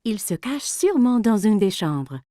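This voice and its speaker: A woman playing a gentle, encouraging mother in a children's cartoon, patiently and playfully explaining things to a small child. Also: medium pitch, very animated, a little slow, no room sound, studio quality. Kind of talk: French-language children's cartoon dubbing. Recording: music under the voice.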